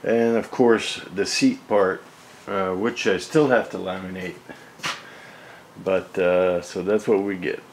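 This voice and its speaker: Working away in his home garage workshop, a woodworking channel host talks viewers through a casual, homespun how-to. He speaks slowly in a deep voice with fairly even intonation, and the indoor recording clearly carries background noise and the hum of the shop.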